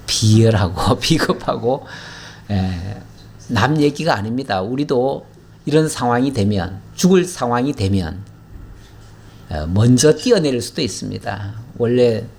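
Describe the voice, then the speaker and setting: Lively, expressive pastor teaching scripture. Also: male voice, mid-range voice, creaky. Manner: conversational, asks the listeners questions; reads scripture in an old formal register. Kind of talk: Bible teaching sermon.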